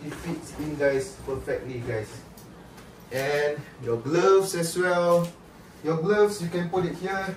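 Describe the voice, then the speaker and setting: A man speaks fairly slowly at a high pitch, with ordinary pitch variation and long, frequent pauses. The room echo is audible, and there is light background noise. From Singapore. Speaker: fishing YouTuber; fishing gear reviewer. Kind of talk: product review. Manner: casual, halting with fillers. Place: home room. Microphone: camera far.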